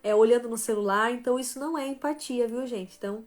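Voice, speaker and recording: A woman with a somewhat high-pitched voice teaches her viewers on a live stream, with a motivational Christian tone. She moves between gentle and firmer emphasis and keeps checking in with quick "tá?" and "né?" tags. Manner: tags most phrases with "né?" and "tá?"; shifts between softer and stronger emphasis. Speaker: live stream host and author.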